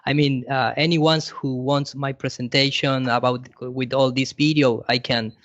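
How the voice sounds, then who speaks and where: A man with an Argentine Spanish accent, chatting casually in halting, non-native English as a guest. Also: mid-range voice, fairly even intonation, fairly bright tone, no room sound, highs cut off. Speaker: guest presenter. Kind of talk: casual panel chat.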